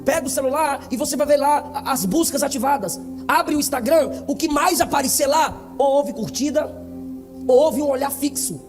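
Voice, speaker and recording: A man preaching a sermon as a pastor, swinging from quiet talk to loud shouted climaxes and acting out little dialogues. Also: extremely high pitch, moderate pace, music in the background.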